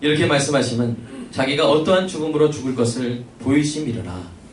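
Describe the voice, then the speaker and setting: A man's voice: medium pitch, animated, fairly quick, a crowd in the background. A male pastor preaching a sermon and asking his congregation questions. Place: church sanctuary. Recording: echoey church from a distant mic.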